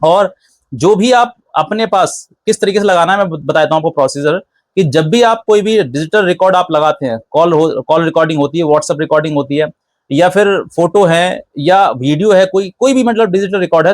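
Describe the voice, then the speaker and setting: A man's voice: high voice, fairly quick, no room sound. A man hosting an informal legal explainer, going step by step, often rephrasing himself and dropping in English legal terms. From India. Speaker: legal advice channel host.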